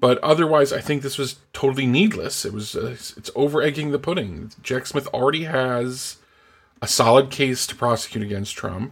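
A man with a plain, everyday voice speaks at a medium pitch and moderate pace, with ordinary pitch variation and big swings in loudness. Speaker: political commentator. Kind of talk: casual panel discussion.

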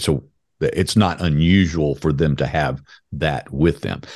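Vocal fry at a fairly slow pace, with an American accent, against a quiet background. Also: man. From Louisiana. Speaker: musician and independent journalist. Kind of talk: interview.

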